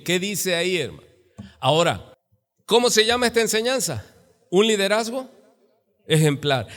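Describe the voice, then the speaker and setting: A middle-aged man with a Mexican accent preaching a sermon as pastor, lively and acting out the voices of church members. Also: high voice, long reverb tail. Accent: Mexican Spanish. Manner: animated, acts out church members in quoted voices. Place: church sanctuary.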